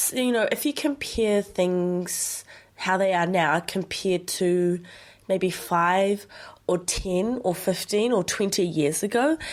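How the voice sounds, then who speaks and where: A woman at medium pitch speaks very slowly with lively intonation and very even loudness, in a very clean recording with a silent background. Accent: New Zealand. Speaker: community radio podcast host. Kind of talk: solo podcast talk.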